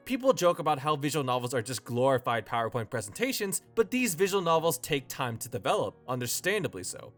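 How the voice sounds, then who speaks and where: A man reads a scripted opinion piece as a video essay host. His voice sits a little high and moves up and down in a very lively way, with music playing behind him.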